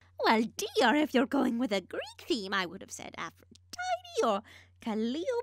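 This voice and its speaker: Her pitch is high and swings very widely, and this woman's loudness shifts in big swings while she keeps a moderate pace. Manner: elegant, dramatic, affectionate.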